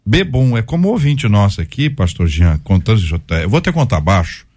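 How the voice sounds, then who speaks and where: Low-voiced male talk show host. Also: a little fast, no echo. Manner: relaxed and chatty, jokes with guests. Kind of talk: casual talk show discussion.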